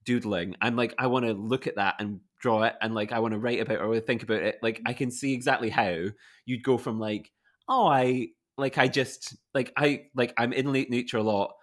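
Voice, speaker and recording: A man's voice: medium pitch, steady tone, brisk. A young man hosting a conservation podcast, asking questions in a rambling, casual way full of restarts. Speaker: podcast host. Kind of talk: casual interview chat.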